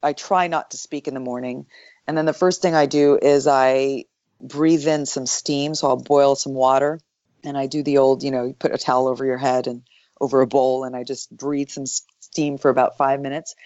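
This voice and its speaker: Woman, guest voice actor, deep morning voice, low pitch, explanatory and calm, dry muffled recording. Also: moderate pace, no room sound. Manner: thoughtful, explanatory, with soft laughs. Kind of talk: interview answers.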